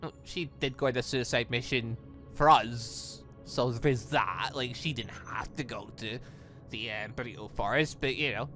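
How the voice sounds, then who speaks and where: A man giving casual, animated commentary while reading through a visual novel game, reacting aloud as he goes. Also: mid-range voice, normal speed, faint music behind. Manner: animated, reacts aloud between read lines. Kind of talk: let's play read-aloud with casual commentary.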